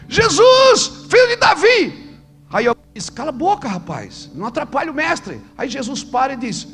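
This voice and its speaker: Animated high-voiced pastor preaching. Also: male voice. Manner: animated preaching, acting out dialogues, rising to shouts. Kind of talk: sermon to pastors.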